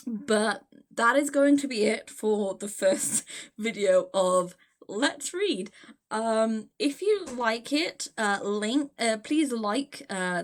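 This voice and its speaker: Giggly, rambling woman reading and reacting. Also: medium pitch. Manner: giggly, gushing, stumbles over words. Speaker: host of a fan fiction reading series. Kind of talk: casual rambling chat and read-aloud with reactions.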